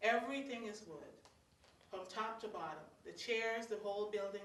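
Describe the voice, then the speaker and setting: With a Guyanese accent, a woman talks at a moderate pace and medium pitch with fairly even intonation, amid noticeable background noise and audible room echo. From Guyana. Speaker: storyteller. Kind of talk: storytelling. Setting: story circle with live audience.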